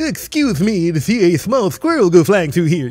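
A man does a put-on character voice. His pitch is high. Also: moderate pace. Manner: goofy, cartoonish.

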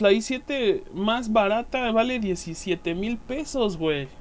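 A man speaks with lively intonation in a voice pitched high for a man. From Mexico. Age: 20s. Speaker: gaming youtuber. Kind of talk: casual vlog. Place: home room.

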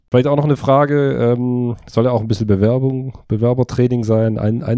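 A man with a slight southern German accent speaks at a medium pitch and a moderate pace. His tone is dark and mellow, his intonation fairly even, and the background quiet. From southern Germany. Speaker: team manager who hires staff. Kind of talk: casual interview. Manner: hesitant with fillers.

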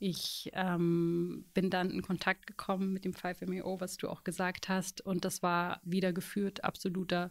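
Over a silent background on a very clean recording, a woman speaks at a very slow pace with a fairly low pitch. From Germany, Berlin. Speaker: coach and hypnotherapist. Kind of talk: testimony.

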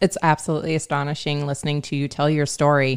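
A woman with an American accent and a very deep, low pitch, with music in the background. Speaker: podcast co-host. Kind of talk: casual interview.

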